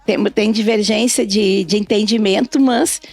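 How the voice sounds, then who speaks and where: A woman's voice: mid-range voice, steady tone, unhurried, vocal fry, darkish tone, no echo. A middle-aged or older woman chatting as a podcast guest, telling stories and acting out quoted exchanges. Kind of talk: casual conversational interview, anecdotes.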